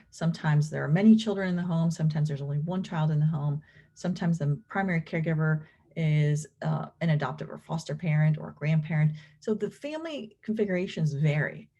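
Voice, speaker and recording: Low, husky woman lecturing. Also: mellow. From Venezuela. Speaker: clinical professor and behavior analyst presenting research. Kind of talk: explanatory academic lecture.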